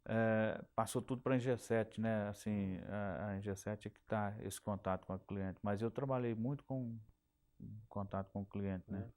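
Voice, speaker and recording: A man's voice: fairly low pitch, fairly even intonation, moderate pace, a little mellow. A middle-aged man with a Minas Gerais Brazilian accent, recalling his working life in an oral history interview, often repeating and restarting words. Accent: Brazilian Portuguese, Minas Gerais. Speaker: interviewee, telephone company technician.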